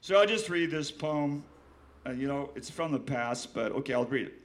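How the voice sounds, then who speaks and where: An older man from Oregon reading his poems aloud, halting and emotional, repeating himself and swearing between stanzas. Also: mid-range voice, lively intonation. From Willamette Valley, Oregon. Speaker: poet reading his work. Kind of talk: poetry reading with spoken asides.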